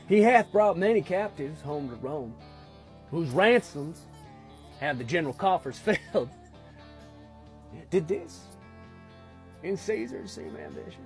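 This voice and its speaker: A man with a Southern US accent and a husky voice, reciting a Shakespeare monologue in a casual, halting way with restarts. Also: fairly high pitch, big pitch swings, a little mellow, soft background music.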